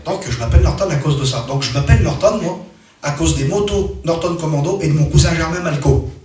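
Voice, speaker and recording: A man's voice: fairly high pitch, fairly quick, a little mellow, soft background music. A man preaching a sermon as a personal story, emphatic and repetitive, often restarting his sentences. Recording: very echoey hall, mic far off.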